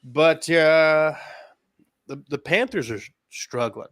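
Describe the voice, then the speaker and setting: A man's voice: fairly high pitch, slow, fairly bright tone, no echo. Laid-back Southern man, dry close sound. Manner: laid-back, reads injury lists with hesitations. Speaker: podcast co-host. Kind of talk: casual sports chat.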